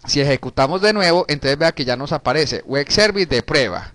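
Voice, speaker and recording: Man, thirties, casual coding lesson, smooth clear voice, dry close mic. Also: fairly high pitch, lively intonation, a little fast, a bit bright, dry recording. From Colombia. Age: 30s. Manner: casual, talks while typing, frequent restarts and diminutives. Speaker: programming teacher. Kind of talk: recorded screen-share coding lesson.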